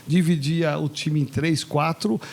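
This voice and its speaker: Older brazilian pastor telling stories, high pitched, gravelly, acts out the voices. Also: male voice, measured pace. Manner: animated anecdote teller, acts out quoted voices. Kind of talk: storytelling in casual chat.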